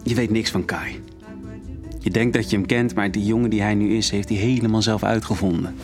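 A man's voice: on the low side, fairly quick, lightly acted. An actor playing a jaded, guarded male club boss in an audio drama, dismissive and condescendingly familiar. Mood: bitter, knowing. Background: music.

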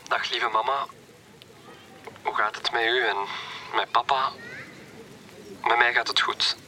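An actor playing an affectionate young son, heard as a phone voice message in an audio drama. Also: male voice, mid-range voice, level tone, a little slow, pushed and bright, a little hiss or hum, rough recording. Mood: tender, wistful. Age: young adult.

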